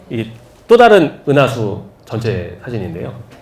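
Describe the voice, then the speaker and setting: A man is speaking. The recording has audible room echo and noticeable background noise. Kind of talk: lecture to a church audience.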